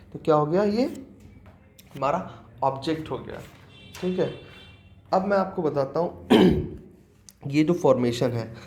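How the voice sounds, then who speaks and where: A man's voice: medium pitch, a little mellow. Indian man teaching, quizzing his class. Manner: asks the class questions and answers them himself; repeats key words, mixes English into Hindi. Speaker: English teacher. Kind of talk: classroom lecture.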